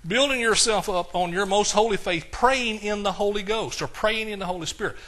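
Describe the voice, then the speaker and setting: An older male preacher delivering a sermon in a bright, forceful voice that sits somewhat high for a man. He reads scripture with climbing emphasis, then drops into easy, conversational asides. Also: fairly quick.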